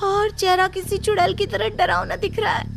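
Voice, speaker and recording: A jumpy young office worker who frets over every shadow, speaking in a very high, thin voice, acted by a woman. Faint music runs under this cartoon story. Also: level tone, normal speed, vocal fry. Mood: worried. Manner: anxious, fretful.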